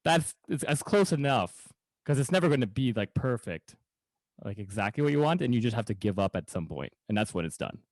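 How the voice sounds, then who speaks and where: A man with a medium-pitched voice chats casually as a podcast host. His phrasing rambles and halts, and the recording is dry with little room sound. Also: sing-song, fairly quick, darkish tone, dry recording. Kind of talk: casual chat.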